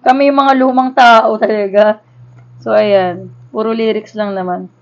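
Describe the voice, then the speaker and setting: Using a mid-range voice with a steady tone and measured pace, a Filipino woman in her thirties vlogs an unboxing of a collectible. Her Taglish is relaxed, conversational, and nostalgic. The audio comes across as dull and lo-fi.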